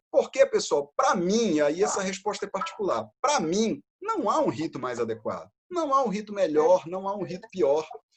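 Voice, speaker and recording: A man speaks at a high pitch with very wide pitch swings. He keeps a moderate pace with hardly any pauses. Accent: Brazilian. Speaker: freemason lecturer. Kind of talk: online talk on Masonic rites. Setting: live stream.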